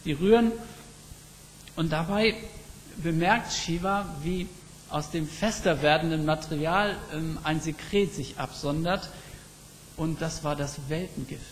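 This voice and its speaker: Male preacher, raised pitch, deliberate storytelling pauses, long hall reverb. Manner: reflective, slow emphatic storytelling. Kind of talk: sermon. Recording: long reverb with faint background noise.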